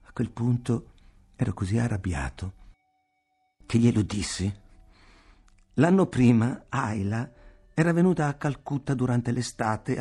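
A man reads a novel aloud for radio in a measured, expressive storytelling manner. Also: medium pitch. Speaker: reader. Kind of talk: literary reading for radio.

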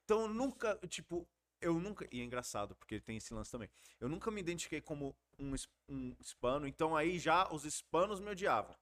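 A man's voice: a little high, a little fast, few pauses. Slangy Brazilian man telling stories. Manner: slangy, animated storytelling. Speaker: podcast guest. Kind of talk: casual storytelling chat.

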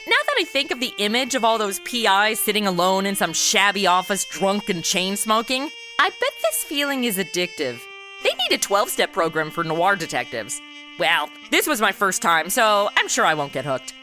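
A woman playing a brash, flippant twenty-something amateur detective in a comedy audio drama, with sassy, slangy delivery. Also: medium pitch. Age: 20s. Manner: sassy, slangy, self-absorbed wisecracking. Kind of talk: comedy audio drama acting with wry narration.

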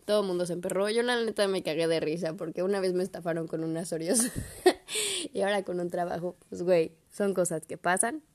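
A woman's voice: lowish voice, steady tone, quick pace, hardly any pauses, a little mellow. Young Mexican woman, podcast host, casual slangy storyteller who swears and acts out quotes. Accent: Mexican Spanish.

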